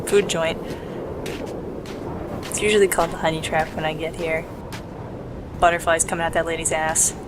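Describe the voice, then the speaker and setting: A woman's voice: on the low side, heavy background noise. A woman hosting a Let's Play with casual, wry, joking commentary on the game. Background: game music.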